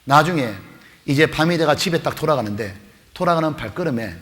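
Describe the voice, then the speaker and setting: A man preaching to a youth retreat, telling a story with animated voices for the mother and the kids. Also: a little high, fairly quick. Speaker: pastor. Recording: long hall reverb.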